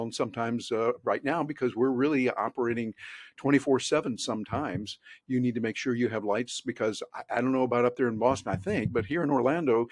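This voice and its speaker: A man talks over a video call as an interview guest. His mid-pitched voice is animated and conversational, and he often acts out quoted voices. The sound is close and dry. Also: dry recording. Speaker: interview guest, professional speaker. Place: home office in Orlando. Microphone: webcam on a video call.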